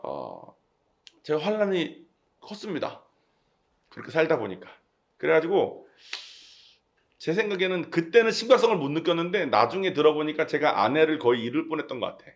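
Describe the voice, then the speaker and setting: A man's voice: fairly high pitch, big pitch swings, moderate pace, pauses often, dull audio. A talkative man with a Gyeongsang accent, preaching a casual, conversational sermon and often checking in with his congregation. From Gyeongsang region, South Korea.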